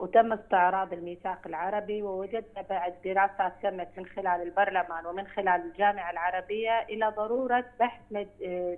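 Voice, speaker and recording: This woman speaks at a moderate pace with fairly even intonation and hardly any pauses. The background is quiet. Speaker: council member on phone. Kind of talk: interview answer. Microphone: phone line.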